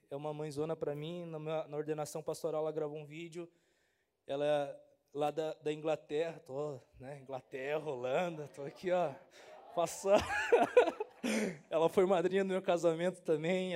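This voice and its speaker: Man, young, pastor, high voice, slangy youth sermon, asks the crowd if they follow. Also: darkish tone. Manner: casual slangy preaching, keeps asking the audience if they understand.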